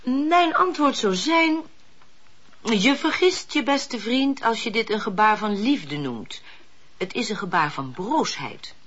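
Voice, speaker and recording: An actress playing a brisk, opinionated woman in a Dutch radio drama. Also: fairly high pitch, animated, a bit bright, heavily acted. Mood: brisk, assured. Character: brisk, opinionated woman helper, pious letter-answerer. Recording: dull lo-fi radio play recording.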